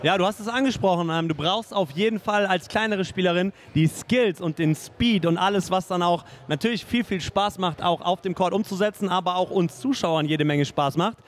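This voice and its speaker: High-voiced, upbeat male interviewer. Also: moderate pace, hardly any pauses. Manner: upbeat, chatty, says "nice" and "ähm" a lot. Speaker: host, interviewer. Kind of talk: hosted interview and announcements. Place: indoor studio in front of a sponsor wall. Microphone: handheld mic.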